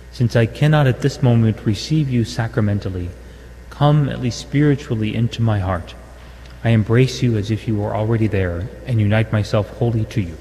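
A man's voice: lowish voice, mellow. A man reverently reciting a devotional prayer as its leader, in a reverberant hall. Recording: reverberant hall, faint noise.

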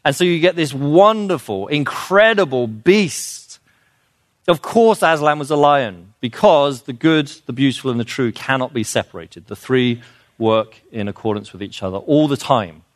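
A man's voice: medium pitch, animated, normal speed, no room sound, studio quality. A man giving an informal, earnest lecture, explaining with fillers and restarts and growing emphatic on his key points. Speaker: speaker on children's literature.

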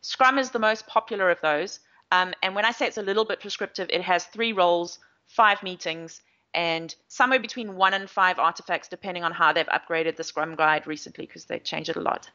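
A woman's voice: on the low side, brisk, pushed and bright. A woman with a South African accent, an agile coach giving long, chatty interview answers with plenty of fillers. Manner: chatty, explanatory, many fillers. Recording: slightly dull audio.

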